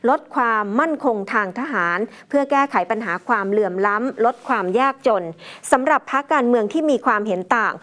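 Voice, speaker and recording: Female news anchor, fairly high voice, steady formal read. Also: fairly quick, hardly any pauses. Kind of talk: news report reading.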